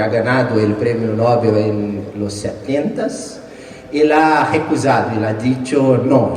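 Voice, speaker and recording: A man in his forties, a native Portuguese speaker from Brazil, presenting his book at a live panel, halting and joking with frequent restarts and chuckles. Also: mid-range voice, a little mellow. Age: 40s. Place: large hall with long reverb. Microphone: distant from the mic. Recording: echoey hall, far from mic.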